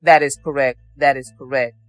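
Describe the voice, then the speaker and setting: A man's voice: mid-range voice, level tone, normal speed, no room sound. A man giving courtroom testimony as a witness, answering in a plain, matter-of-fact way.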